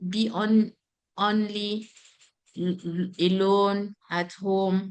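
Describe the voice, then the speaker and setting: A woman's medium-pitched voice with a non-native accent at a very slow pace. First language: French. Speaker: student asking a question. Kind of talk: audience question. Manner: halting, hesitant.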